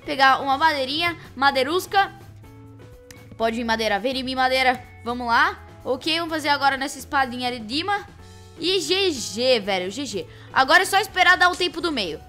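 A young-sounding woman with a Brazilian Portuguese accent narrates her game in a high, bright, ringing voice. She is excitable and playful, quick to shriek or shout at the action. Soft music plays faintly behind her. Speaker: gaming channel host. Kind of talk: let's-play game commentary.

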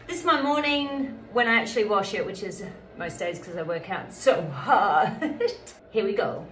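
A middle-aged woman with a New Zealand accent, chatting brightly through a hair tutorial at home, laughing often. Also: mid-range voice, expressive, unhurried, faint music behind. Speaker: beauty vlogger. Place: bright home bathroom, indoors. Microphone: camera a few feet away. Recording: echoey bathroom, mic far off, loud noise. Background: hair dryer noise.

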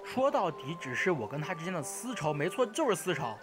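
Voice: medium pitch, very animated, over music, close to an everyday voice. A performer in an amateur radio drama playing a hyperactive young male gamer who chatters, repeats words and badgers indignantly. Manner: rapid-fire, repetitive, badgering.

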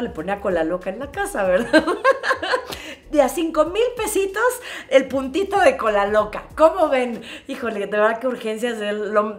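A woman with a Mexican accent telling a family story to her viewers in a casual, animated way. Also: on the high side. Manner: animated, expressive, acts out scenes. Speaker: vlogger.

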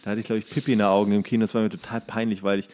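A man's voice: fairly low pitch, level tone, rapid-fire, a little mellow. A middle-aged man co-hosting a podcast, chatting casually in slangy, sometimes crude words while searching for the right term. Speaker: podcast co-host. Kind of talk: casual chat about comics and cartoons.

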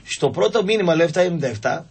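A man co-hosting a radio sports show, chatty and agreeable, with a very raspy voice, prompting his partner. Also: on the high side, expressive.

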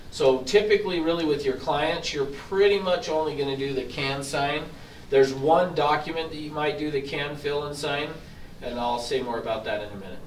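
A man training real estate agents, walking them step by step through signing software in a casual, explanatory way, a bit hoarse and clearing his throat as he loses his voice. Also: medium pitch. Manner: explanatory, casual, self-deprecating. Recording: echoey room from far off, faint hiss.

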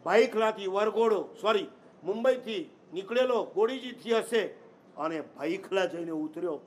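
Very high-voiced male preacher. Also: expressive, moderate pace, a little hiss or hum. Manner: quizzes the audience with rhetorical questions; storytelling, emphatic delivery. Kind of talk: sermon.

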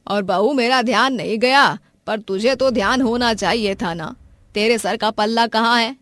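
A woman playing a strict, grumpy middle-aged mother-in-law in an animated family story, with a commanding manner. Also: fairly high pitch, moderate pace, dry recording, clean studio sound, lightly acted. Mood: scolding. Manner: scolding, commanding.

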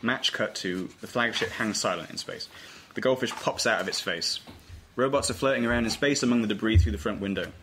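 Male narrator for a script read-through: quick, lowish voice, faint background noise. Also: a bit bright. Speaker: narrator reading stage directions. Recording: faintly noisy table read recording.

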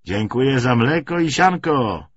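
Wry young volunteer horseman, read by a man; relaxed manner, unhurried, slightly husky, teasing. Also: medium pitch, lo-fi sound, voice pushed up. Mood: playful. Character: young cavalry volunteer, easygoing, wry soldier.

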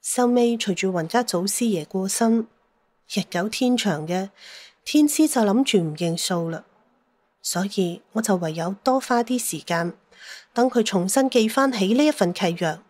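A woman acts out a middle-aged mother of a mystic clan in an audio drama. She is solemn yet loving. Her mid-pitched voice is measured and earnest, as if handing down a duty. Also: lively intonation, a little mellow, natural voice. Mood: solemn, instructing. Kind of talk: Cantonese audio drama acting.

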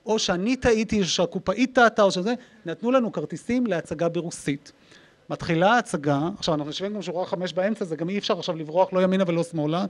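An Israeli-accented man with a high-pitched voice hosts a live stage conversation. He tells anecdotes expressively and emphatically, pausing between items for effect, speaking into a handheld microphone. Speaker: host, interviewer. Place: public talk in a library room.

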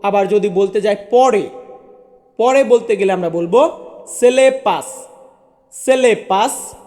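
A man teaching a language lesson online, drilling words slowly and repeating each one several times. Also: sits high, mellow, big-room sound. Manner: slow, repetitive word drilling.

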